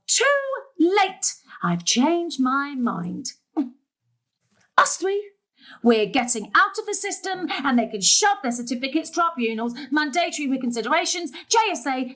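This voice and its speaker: A woman's voice: high voice, bright, forceful tone, full character voice. An actress playing a long-suffering middle-aged daughter and mother in an audio drama, emphatic and sarcastic. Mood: defiant. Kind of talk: stage-style audio drama acting.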